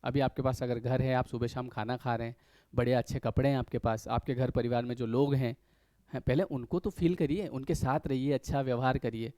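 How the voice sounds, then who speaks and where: A man talks viewers through a motivational lesson as a life coach. His voice sits at an ordinary middle pitch, and he keeps it chatty, slipping into short acted scenes of family life. The recording is dry and close, with no room sound. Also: fairly even intonation, a little fast, dark tone, dry recording. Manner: conversational, acts out little scenes in other voices.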